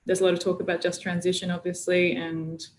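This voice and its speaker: A woman activist speaking as a guest on a video call, telling her story in a relaxed, chatty way with plenty of fillers. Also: lowish voice, a little fast, slight background noise, poor audio. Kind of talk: casual video-call interview.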